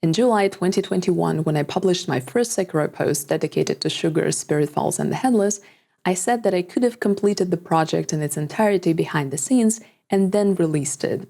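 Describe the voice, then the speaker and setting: A young woman, not a native English speaker, reading her own scripted voice-over in a measured, reflective way. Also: low-pitched, creaky, dark tone. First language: neither English nor Japanese. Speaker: video essayist.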